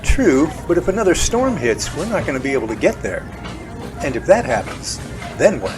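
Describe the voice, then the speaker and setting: A man's voice: a little high, big pitch swings, moderate pace, over music. A man playing a weary, folksy professor who runs a Bigfoot lab, in an amateur audio drama with an easygoing delivery.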